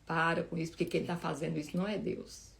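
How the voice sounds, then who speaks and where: A woman giving a heartfelt, informal devotional talk as host of a live Bible reading, halting often with restarts and fillers. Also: sits low, level tone, creaky.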